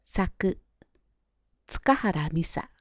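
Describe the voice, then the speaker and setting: A woman narrating a children's storybook in a gentle, even way. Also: fairly low pitch, extremely slow, no echo, lo-fi sound. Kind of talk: storybook reading.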